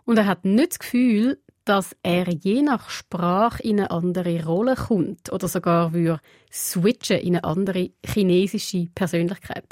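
A woman's voice: fairly low pitch, measured pace, a little mellow, no echo, studio quality. Portuguese-native woman narrating a feature. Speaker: radio reporter and presenter. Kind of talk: scripted narration with reportage.

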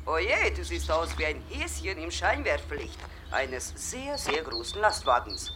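A theatrical girlfriend whose voice swoops widely as she teases and pries. The recording carries clear background noise, heard right behind her. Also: low voice, very animated, unhurried. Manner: teasing and dramatic.

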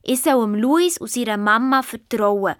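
A woman's voice: on the high side, no room sound, studio quality, natural voice. A woman voicing a fiery Swiss German girl. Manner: lively, indignant, quick to flare up. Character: headstrong girl, about twelve, hot-tempered. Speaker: narrator. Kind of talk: audio drama narration. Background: faint background music.

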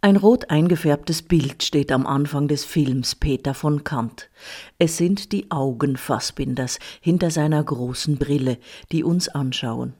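A woman's voice: low-pitched, unhurried, a little mellow, breathy edge. A woman film critic narrating a scripted, radio-style review.

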